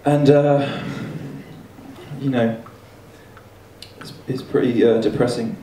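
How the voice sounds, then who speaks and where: Deadpan Essex comedian in a roomy hall. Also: male voice, medium pitch, slow. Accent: Essex English. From Essex, England. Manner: deadpan, wry storytelling with hesitant fillers. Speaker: stand-up comedian. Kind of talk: stand-up comedy routine. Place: student comedy event hall with audience. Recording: roomy, distant amateur recording with noise.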